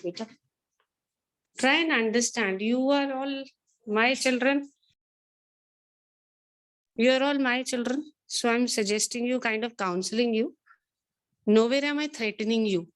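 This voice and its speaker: A woman's voice: on the high side, low-quality recording. A woman teacher with a South Asian accent counselling her students in an earnest, motherly, admonishing way, repeating herself and slipping Hindi phrases into English. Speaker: biology teacher addressing an online or classroom class.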